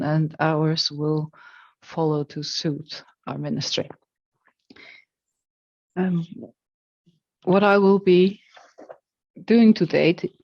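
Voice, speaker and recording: A woman, a career counselor presenting in a webinar, speaking hesitantly with many pauses and restarts. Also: lowish voice, a little mellow, no echo, lo-fi sound. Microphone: video call.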